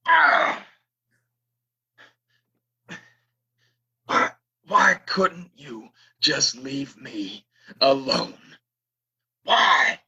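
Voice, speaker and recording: Man as a raspy, volatile, vengeful cowboy. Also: sits high, muffled recording, full character voice. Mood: anguished rage. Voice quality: raspy, gravelly. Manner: anguished, swinging from growl to shout. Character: grieving, vengeful male cowboy stranger, bitter and volatile. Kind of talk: audio play acting.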